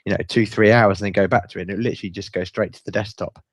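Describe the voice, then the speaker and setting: A hoarse, croaky man with a fairly low voice, chatting casually on a tech podcast. He rambles, restarts his sentences and drops little chuckles. The sound is dry and close, with no room in it. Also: fairly even intonation, rapid-fire, dry recording. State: hoarse, croaky voice from a chest infection. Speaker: podcast co-host.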